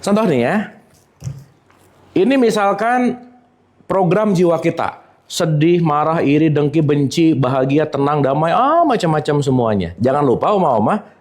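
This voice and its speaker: A man's voice: a little high, normal speed. A man giving an informal spiritual lecture to a live audience, quizzing them as he goes. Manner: lively, keeps quizzing the audience. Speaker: religious teacher.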